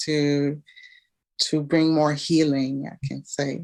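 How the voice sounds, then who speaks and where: The speech comes at a fairly slow pace with a French accent. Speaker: spiritual healer and singer. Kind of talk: interview. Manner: halting.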